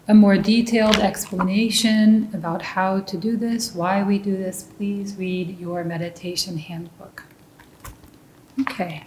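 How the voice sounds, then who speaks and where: A woman leading a guided mindfulness meditation, speaking calmly and gently. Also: medium pitch, roomy sound, slight background noise, poor audio. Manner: slow, calm and gentle instruction.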